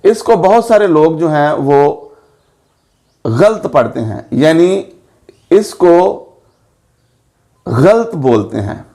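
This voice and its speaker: Male language teacher, slightly high voice, slow and deliberate delivery, spells words out mark by mark. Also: big pitch swings, mellow. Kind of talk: pronunciation lesson.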